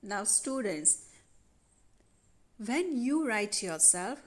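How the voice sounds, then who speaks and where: A woman's voice: fairly high pitch, a bit bright. A woman teaching a grammar lesson over a worksheet, patiently repeating instructions to students. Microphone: voice-over on handwritten worksheet video.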